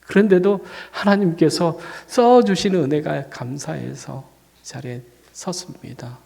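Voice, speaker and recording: Telling a personal story from the pulpit of a church sanctuary, a senior pastor sounds like he's fighting a cold and feeling dizzy. His fairly high, darkish voice carries vocal fry and an unhurried pace, staying conversational yet climbing to emphatic peaks on important points, all with long church reverb.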